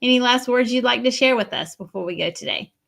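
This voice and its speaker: A woman's voice: on the high side, fast, creaky, a bit bright. A woman hosting a casual interview, enthusiastic and repeating "awesome" often. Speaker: host.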